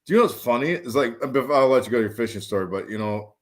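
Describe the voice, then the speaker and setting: A man from Michigan with a Michigan accent, guesting on a podcast and telling stories with lively acted-out quotes and frequent laughter. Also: mid-range voice, fast. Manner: animated storyteller, acts out quotes, laughs often. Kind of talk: casual chat. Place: home studio.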